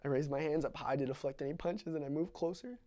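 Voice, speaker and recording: A man's voice: a little high, quick pace, close to an everyday voice. A young male actor playing a young man who recounts a traumatic childhood in a dramatic stage monologue, raw and confessional. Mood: bitter, raw. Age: young adult. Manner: raw and confessional, swinging between hushed recollection and sobbing screams.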